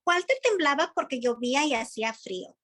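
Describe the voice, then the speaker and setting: A woman's voice: sits high, animated, fast talker, fairly bright tone. A woman reading a children's story aloud, as a narrator for young listeners. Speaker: Spanish translator-reader of a children's book.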